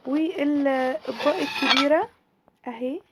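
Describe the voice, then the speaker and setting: A young woman vlogger with an Egyptian accent, chatting casually at home while showing her things, her voice tired from a recent illness, full of drawn-out fillers and restarts, filmed on a handheld camera. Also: high-pitched, noisy background. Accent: Egyptian Arabic. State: tired voice, still recovering from illness. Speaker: lifestyle vlogger. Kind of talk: casual product showcase chat.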